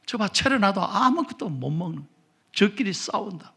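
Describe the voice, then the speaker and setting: Preacher guy doing a straight-talking angel guide, bright husky voice, sermon story. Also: high voice, sing-song, moderate pace, heavily acted. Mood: instructive. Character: commanding heavenly angel guide, male.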